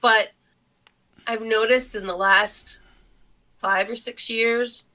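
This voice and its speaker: Bright, forceful middle-aged woman giving blunt opinions. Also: on the high side, steady tone, slow. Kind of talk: casual panel chat.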